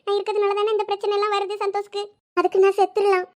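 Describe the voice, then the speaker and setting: Lady doing a crying trapped young wife, super high voice, pleading. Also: level tone, rapid-fire, noisy background. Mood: despairing. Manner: tearful, pleading. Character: despairing captive young wife. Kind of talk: audio drama acting.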